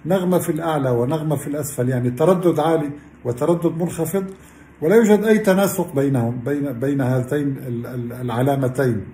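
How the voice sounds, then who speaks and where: A man's voice: a little high, dark tone, roomy sound, slight background noise. Earnest man giving a religious lesson. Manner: earnest, addresses listeners as beloved ones. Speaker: Islamic science lecturer. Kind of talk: religious explanatory talk.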